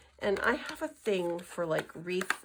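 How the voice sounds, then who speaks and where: A woman speaks at a medium pitch. Noticeable background noise runs under her voice. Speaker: card-making crafter. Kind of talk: tutorial. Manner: casual, chatty.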